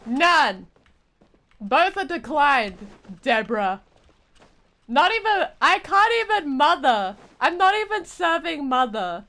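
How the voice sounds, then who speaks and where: A woman's voice: high-pitched, sing-song, slow pace, pushed and bright. A young woman livestreaming a game, chatting casually with viewers in a playful, silly, exaggerated way. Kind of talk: casual chat with stream viewers.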